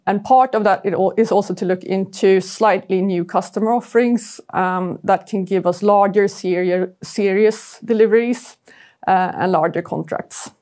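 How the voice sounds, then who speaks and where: A woman's voice: mid-range voice, a little mellow. A woman giving a corporate earnings presentation as chief executive, searching for words as she goes.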